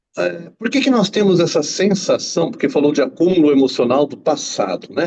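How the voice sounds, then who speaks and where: At a moderate pace, a man speaks with a high pitch and very wide pitch swings. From rural Brazil. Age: 60s. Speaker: participant. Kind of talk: casual chat.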